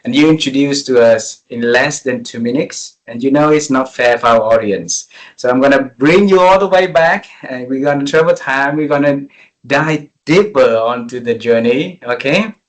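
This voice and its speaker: A man's voice: mid-range voice, moderate pace, rough recording. Effusive Vietnamese-accented man hosting an interview. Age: 40s. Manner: effusive, courteous. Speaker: interview host. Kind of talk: conversational interview.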